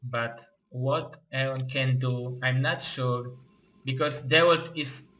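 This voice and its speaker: A man with a Russian accent casting a live strategy game tournament, excitable, with halting non-native phrasing. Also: medium pitch, poor audio. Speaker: esports caster and tournament host.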